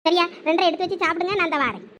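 A woman's voice: extremely high pitch, racing, background noise. A woman playing a pleading superstitious mother. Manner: pleading, coaxing. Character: fretful superstitious village mother. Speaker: actor in a comedy skit. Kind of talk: village comedy skit acting.

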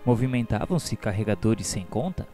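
A man narrating a radio novela from a script in a formal, measured, literary manner. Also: fairly low pitch, lively intonation, mellow. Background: background music.

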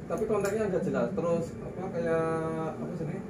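A man in casual chat, quickly critiquing how a friend speaks. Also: on the high side. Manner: lively, quick critique of speech. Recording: roomy, far from the mic, loud noise.

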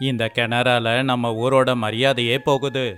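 A man's voice: medium pitch, flat delivery, measured pace, fairly bright tone, smooth, faint music behind, lightly acted. A man playing a stern, indignant village man in a moral story, speaking in a declamatory way. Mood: stern, reproachful. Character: stern, indignant village headman and quarrelling village men. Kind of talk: acted moral-story dialogue.

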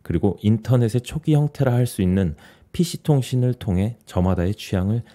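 Dark-voiced Korean man in his forties. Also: on the low side, expressive, brisk. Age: 40s. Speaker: YouTube host. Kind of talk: reading an essay aloud. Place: small home studio room. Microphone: studio mic on boom, headphones.

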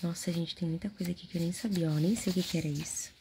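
Hushed Brazilian woman, close in your ear, creaky. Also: fairly even intonation, quick pace. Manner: hushed, close, right-in-your-ear low voice, often slipping into whisper; murmured reading aloud mixed with offhand remarks. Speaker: ASMR video host. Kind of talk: soft-spoken and whispered ASMR, casual chat. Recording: noisy close home recording, handling clicks.

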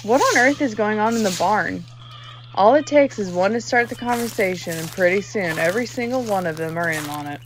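An actress plays a wry daughter in a radio drama, with a medium-pitched female voice. She sounds conversational and skeptical, over faint background noise. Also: lively intonation, brisk, lightly acted. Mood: puzzled, irritated. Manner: conversational, sardonic.

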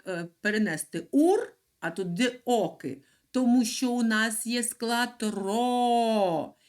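Lively woman teaching young children. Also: mid-range voice. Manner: lively, sing-song teaching voice with drawn-out stressed syllables. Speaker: primary school teacher. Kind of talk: recorded lesson for children.

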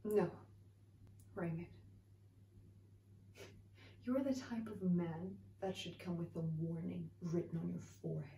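A young woman acting a hurt, lovesick woman confronting her lover in a searching, halting dramatic monologue. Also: mid-range voice, slight background noise, lightly acted. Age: young adult. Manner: searching, halting soliloquy with pauses and swings from quiet to forceful. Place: indoor room before a plain backdrop. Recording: roomy echo, distant microphone.

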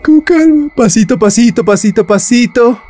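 A man's voice: very high voice, animated, moderate pace, mellow. A man commenting on a horror game he is playing, joking and breaking into nervous laughs and shrieks. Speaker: gaming YouTuber.

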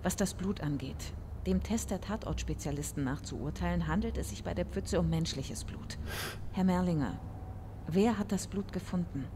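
A woman's voice: fairly low pitch, moderate pace, noisy background, natural voice. An actress playing a composed, probing police inspector in an audio drama, matter-of-fact in her questioning. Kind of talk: German audio drama acting.

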